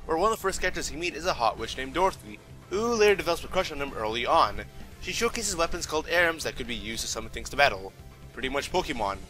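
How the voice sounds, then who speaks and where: A man's voice: fairly high pitch, sing-song, quick pace, bright, forceful tone, soft background music, poor audio. A man giving a casual, opinionated video review as host, irreverent, sarcastic and slangy in his delivery.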